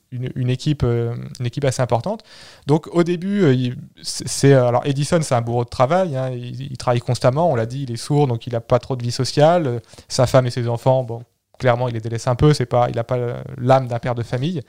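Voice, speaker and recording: A man's voice: mid-range voice, a little fast, mellow. A man co-hosting a casual history talk, explaining and storytelling as he repeats words while he thinks. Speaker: podcast co-host telling history.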